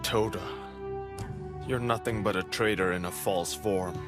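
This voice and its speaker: A man's voice: lowish voice, fairly even intonation, unhurried, music in the background, natural voice. An actor voicing a cold, grim male spirit servant in an anime dub, hostile and unforgiving. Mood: bitter.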